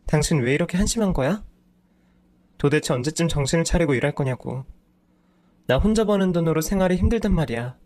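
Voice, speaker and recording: A man's voice: fairly high pitch, moderate pace, close to an everyday voice. A man voicing an exasperated wife who nags her husband sharply, in a storybook reading. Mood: scolding. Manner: scolding, sharp-tongued. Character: exasperated nagging wife, woman in her thirties.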